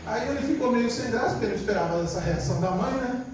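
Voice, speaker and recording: Male preacher, very high voice, folksy storytelling sermon that checks in with the flock. Distant, heavily reverberant church recording. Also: very fast. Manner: conversational, often asks the congregation for agreement; acts out quoted family voices. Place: church service. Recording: echoey church, distant mic, faint noise.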